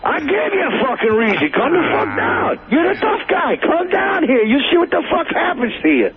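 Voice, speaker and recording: A man's voice: extremely high pitch, big pitch swings, normal speed, over loud music. A man arguing heatedly on a phone call, taunting and foul-mouthed.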